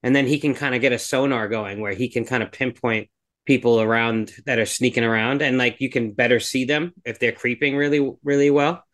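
A man co-hosting a podcast who talks in loose, rambling sentences. His pitch sits in the middle, neither high nor low. He swears now and then in a relaxed, casual way. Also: fairly quick. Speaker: podcast co-host. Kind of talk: casual chat.

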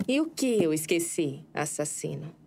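An actress with a Brazilian accent playing a seductive, scheming nightclub singer and killer in an audio drama, coy and flirtatious. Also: female voice, low-pitched, big pitch swings, moderate pace, gravelly, darkish tone, slight background noise, heavily acted. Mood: seductive, sinister.

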